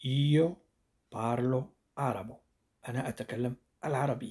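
A man speaks at a medium pitch with a dark, mellow tone, a somewhat breathy quality and ordinary pitch variation. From Morocco, Beni Mellal. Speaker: language teacher. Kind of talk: tutorial. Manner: slow, repetitive drilling.

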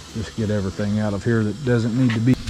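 Clear music plays in the background of a dry recording with no echo, with a voice delivered at a fairly quick pace in a monotone, flat intonation. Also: man. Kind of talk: casual vlog chat. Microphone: phone near.

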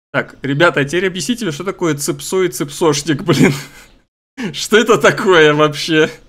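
At a moderate pace, a man with a fairly high pitch talks with ordinary pitch variation and long, frequent pauses. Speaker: chat roulette streamer. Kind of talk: casual debate in video chat roulette. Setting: video call. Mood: amused, incredulous. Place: home room.

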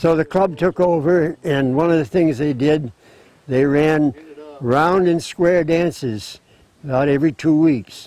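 At a fairly slow pace, a man's fairly high voice carries a dark, mellow tone, ordinary pitch variation and very even loudness in a dry recording with no echo. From Springfield, Vermont; Vermont. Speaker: local historian and restoration volunteer; local history guide. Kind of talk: guided tour. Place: open country.

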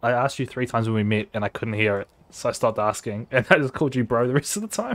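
This man, with a New Zealand accent, talks at a very fast pace and medium pitch with ordinary pitch variation, in a dry sound with no echo. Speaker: gamer streamer. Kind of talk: casual gaming chat. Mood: relaxed, amused anecdote.

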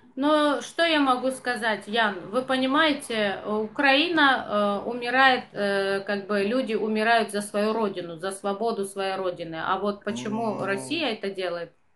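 Over light background noise, a woman with a fairly high pitch talks at a fairly slow pace with lively intonation. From Ukraine. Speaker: live stream host. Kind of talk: live call-in debate. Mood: calm, serious. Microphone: earbuds.

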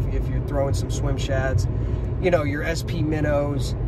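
Loud background noise surrounds a man talking at a moderate pace with ordinary pitch variation, the sound dry with no echo. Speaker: fishing vlogger. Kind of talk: casual vlog chat. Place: car. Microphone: phone near.

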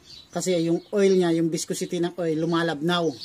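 A man's speech moves at a moderate pace over light background noise. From Philippines. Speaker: mechanic vlogger. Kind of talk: tutorial. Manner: casual, halting. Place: garden. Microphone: phone near.

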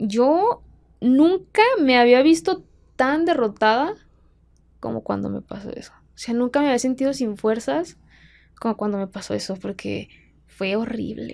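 Her intonation is lively, and her pitch is high as this woman speaks. She goes at a fairly slow pace, with long, frequent pauses. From Mexico, Guadalajara; Jalisco, Mexico. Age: 20s. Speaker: singer; podcast guest. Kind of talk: interview. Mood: reflective, personal storytelling. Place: studio. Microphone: studio mic.

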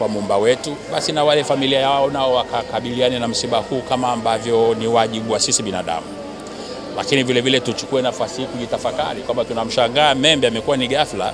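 With clear music in the background, a man talks at a fairly quick pace with hardly any pauses. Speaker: politician giving condolence remarks. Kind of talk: interview answer. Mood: somber, grieving. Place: street. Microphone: handheld.

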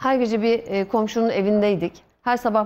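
A woman's fairly high-pitched voice. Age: 40s. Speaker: former addict turned addiction counselor; TV guest. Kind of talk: TV interview, personal testimony. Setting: TV studio. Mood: earnest personal storytelling. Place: studio.

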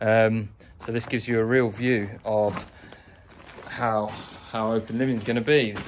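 A man's flat, monotone delivery over light background noise. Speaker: homeowner vlogger. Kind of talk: casual vlog chat. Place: garden. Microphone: phone near.

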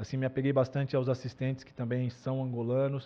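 A man talking at a very fast pace. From interior of São Paulo state, Brazil. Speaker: basketball coach. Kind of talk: casual interview. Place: studio.

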